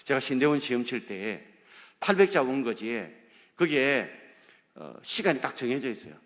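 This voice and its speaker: A man preaches with a lively, swooping delivery, pressing his points with questions he throws out to the congregation. His voice carries through a church sanctuary with a long, ringing reverb. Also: medium pitch, moderate pace. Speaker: pastor. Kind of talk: sermon.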